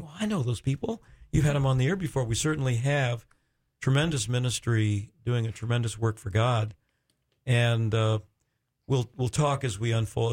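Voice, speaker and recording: A man hosting a Christian talk radio interview, speaking effusively but haltingly as he searches for his words. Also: medium pitch, darkish tone. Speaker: radio show host.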